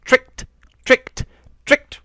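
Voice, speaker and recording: A man's voice: drawn-out words, very noisy. A man voicing a bold, boastful mongoose. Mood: triumphant. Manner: loud, triumphant cries. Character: brave, boastful young male mongoose. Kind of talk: storybook reading.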